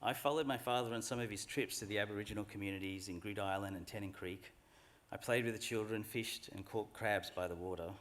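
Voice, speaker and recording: A middle-aged man speaks in a fairly low voice. He delivers a formal graduation address at a lectern in a large hall, unhurried, earnest and reflective. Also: fairly bright tone. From Australia.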